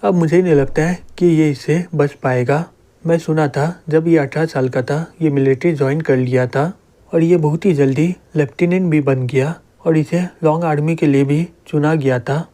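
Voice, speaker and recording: A jealous young schemer who gloats over a rival's bad luck, voiced by a man narrating a comic. His tone is mellow and a little high. The reading stays close to plain storytelling. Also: fairly even intonation, moderate pace, natural voice. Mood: gloating.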